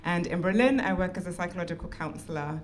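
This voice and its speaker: A woman's voice: fairly low pitch, fast, slight background noise. A woman from the United Kingdom in her forties, a mental health counselor speaking as a guest on a live podcast panel, eager and thoughtful. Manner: warm, excited, thoughtful.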